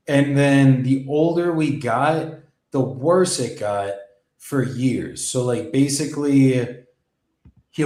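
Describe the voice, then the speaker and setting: Young male host, mid pitch, loose rambling delivery, lots of cursing, roomy echo. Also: a little mellow. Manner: rambling, heavy swearing and fillers. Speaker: podcast host. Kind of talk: casual personal storytelling. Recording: echoey room.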